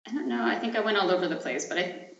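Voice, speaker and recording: A Chilean artist and activist in their late twenties, speaking as a podcast guest, gives reflective, searching answers that often hesitate and trail off. Their mid-range voice moves fast and carries vocal fry. The echoey room gives the recording a dull, roomy, lo-fi sound.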